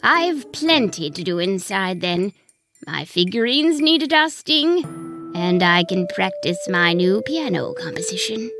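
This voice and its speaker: Woman voicing a gushing, swooping storybook weasel gentleman. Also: mid-range voice, sing-song, unhurried, creaky, heavily acted. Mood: delighted, eager. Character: cheerful, eager, fussy male weasel homeowner. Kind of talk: children's storybook character voice. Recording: music playing behind the voice.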